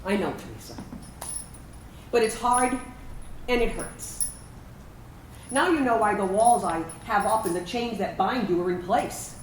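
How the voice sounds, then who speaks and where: A woman's voice: mid-range voice, expressive, unhurried, pauses often, lightly acted. A woman acting in a staged reading as a trans veteran and their inner self, reminiscing conversationally, wounded yet playful. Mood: sad, hurt. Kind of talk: staged reading of a personal narrative play. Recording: roomy, distant microphone, faint background noise.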